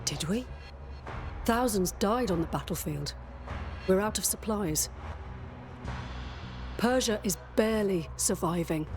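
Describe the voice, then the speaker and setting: A woman playing a composed, proud and stern warrior mentor in a video game, speaking in a measured, solemn way. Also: medium pitch, expressive. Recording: music behind the voice.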